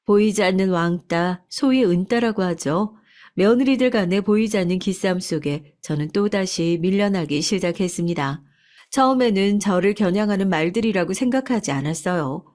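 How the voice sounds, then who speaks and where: A woman narrating a first-person life story in a soft, confiding way. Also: mid-range voice, lively intonation, moderate pace.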